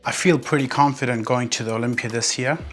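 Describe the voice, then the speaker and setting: A man's voice: mid-range voice, fairly even intonation, fast talker, fairly bright tone, faint music behind. Earnest, determined man from Afghanistan. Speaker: professional bodybuilder. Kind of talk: personal interview monologue.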